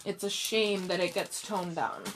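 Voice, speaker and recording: A middle-aged woman with a calm, soft-spoken voice, chatting slowly through a live jewelry showcase and answering viewers by name. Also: medium pitch, slight background noise, low-quality recording. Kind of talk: slow live-stream product showcase chat.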